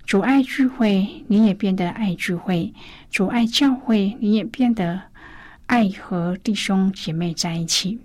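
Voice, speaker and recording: A woman hosting a Christian radio devotional program, reading and preaching gently, often sliding into breathy, whispered phrases. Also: mid-range voice, a little slow.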